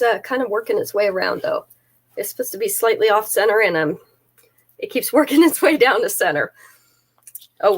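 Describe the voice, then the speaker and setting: A woman's voice: mid-range voice, breathy edge. A woman with a stuffy nose, chatting through a live jewelry sale and describing each piece in careful detail to a close-by camera. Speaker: online jewelry seller.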